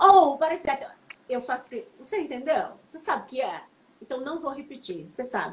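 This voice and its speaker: A woman talks at a fairly quick pace in a high voice, her intonation lively and her loudness swinging widely. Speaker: lawyer. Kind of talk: casual chat. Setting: video call.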